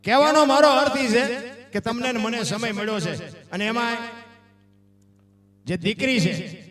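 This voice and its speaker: A man with a Kathiyawadi accent gives a folksy devotional talk and tells a village parable, warmly addressing his listeners. His voice sits high for a man. It is caught from a distance on a stage mic, with a roomy echo around it. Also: a little slow, soft background music. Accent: Kathiyawadi Gujarati. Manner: folksy, calls listeners "bapu". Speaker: folk storyteller.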